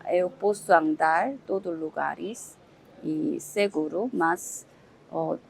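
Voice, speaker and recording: Korean woman speaking her second language, super slow, lots of pauses and little fillers, bit of background noise. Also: deep voice, creaky, darkish tone. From South Korea. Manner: halting, searching for words with many "ó" fillers. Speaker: interviewee. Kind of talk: casual interview answers.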